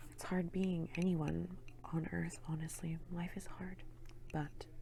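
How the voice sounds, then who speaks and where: Soft-spoken and somewhat breathy, a woman speaks very slowly in a fairly low pitch, her dark, mellow tone held in monotone, flat intonation. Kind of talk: casual talk to camera. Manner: soft-spoken, quiet.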